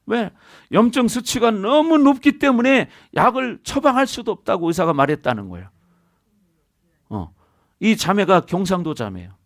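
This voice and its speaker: A man's voice: high voice, very animated, normal speed, no room sound, clean studio sound. A middle-aged male pastor preaching a sermon in a church, calling out to the congregation and drawing responses from them. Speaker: senior pastor. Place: church sanctuary.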